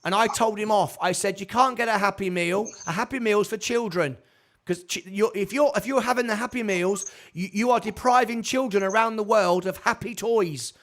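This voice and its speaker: A chatty male host running a live call-in show, talking in a high, light voice. He rattles on, repeats phrases and trips over his words as he keeps things moving. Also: moderate pace, fairly bright tone. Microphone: video call.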